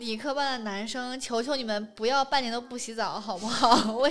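A woman's high-pitched voice, with ordinary pitch variation, competes with noticeable background noise. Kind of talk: casual chat.

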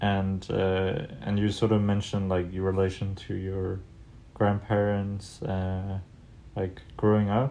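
A man's fairly low, dark, mellow voice with a Swedish accent, fairly even intonation and a very slow pace. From Sweden. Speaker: podcast co-host, student. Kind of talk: casual chat.

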